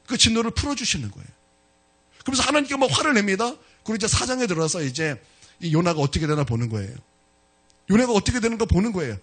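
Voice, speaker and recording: A male pastor preaching a sermon in church, retelling a story in an animated way and talking directly to his congregation. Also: high-pitched, fast talker, breathy edge.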